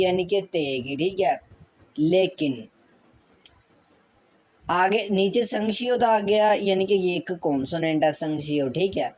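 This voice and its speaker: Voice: mid-range voice, darkish tone, low-quality recording. A Korean language teacher with a Pakistani Urdu accent who explains reading rules step by step, patiently repeating each sound and reassuring learners.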